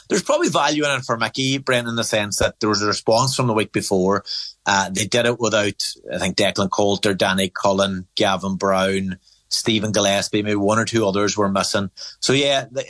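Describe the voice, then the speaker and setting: A man with a Donegal accent and a fairly low voice gives his take on sport. He talks conversationally in long, colloquial, wandering sentences, like a reporter weighing things up. The sound is dry, with little room to it. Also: a bit bright, dry recording. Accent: Donegal Irish.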